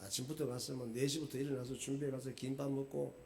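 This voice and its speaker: A male pastor preaching a sermon in a lively, colloquial storytelling way with jokes. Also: medium pitch, fast talker, vocal fry, a little hiss or hum.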